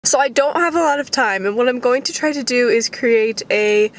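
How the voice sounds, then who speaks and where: A young woman with a fairly high voice talks casually for a vlog. Her delivery is playful and slangy, like talking with friends. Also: moderate pace, background noise.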